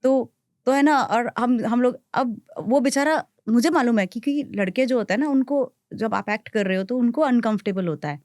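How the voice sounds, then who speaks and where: A woman's voice: on the high side, moderate pace, dry recording. A woman actress, a guest in a podcast interview, telling stories and switching freely between Hindi and English. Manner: animated, acts out others' quotes.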